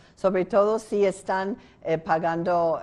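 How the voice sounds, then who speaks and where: With a non-native accent, a woman speaks in a dark, mellow tone at a fairly low pitch over a quiet background. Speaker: fundraising expert, lecturer. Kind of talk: lecture with Q&A. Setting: conference with audience. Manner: hesitant, many fillers.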